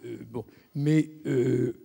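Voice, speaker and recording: A man in the audience asking a formal question, halting and full of fillers. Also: mid-range voice, fairly even intonation, creaky, warm tone. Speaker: audience member. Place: large abbey conference hall. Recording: long reverb of a big hall.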